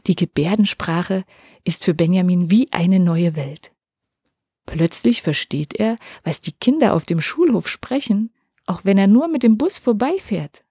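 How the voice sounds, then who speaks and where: A woman reads a story aloud in a gentle, expressive way. Her voice is mellow and a little breathy. The sound is dry and close. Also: medium pitch, no echo. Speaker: narrator. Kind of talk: scripted storytelling for children.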